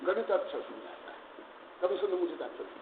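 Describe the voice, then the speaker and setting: A man with a high voice leads a scripture class, slowly chanting commentary and then explaining in quick, conversational speech full of questions to his listeners. The sound is thin and phone-like, with a strong echo around him. Faint noise sits underneath. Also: big pitch swings. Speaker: Jain monk teaching scripture. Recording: echoey, tinny lo-fi hall recording.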